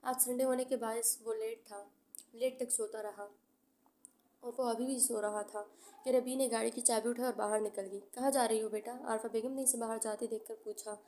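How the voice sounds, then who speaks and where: A woman narrating an audio novel in a steady, measured storytelling manner, with occasional stumbles. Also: fairly high pitch.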